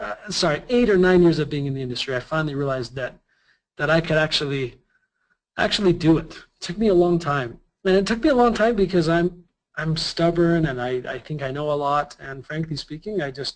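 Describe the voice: A man speaks at a moderate pace with a fairly high pitch. His pitch variation is ordinary.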